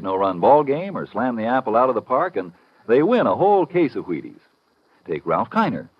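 A man's voice: mid-range voice, breathy edge. An American man giving folksy, colloquial sales patter as the announcer of a 1950s radio advertisement. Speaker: commercial announcer. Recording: muffled vintage radio recording.

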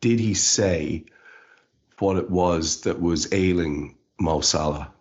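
A man's voice: deep voice, slow pace, a little mellow, breathy edge. A man hosting a casual podcast chat who leads the discussion and puts questions to his co-hosts. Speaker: podcast host. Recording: dull lo-fi podcast audio.

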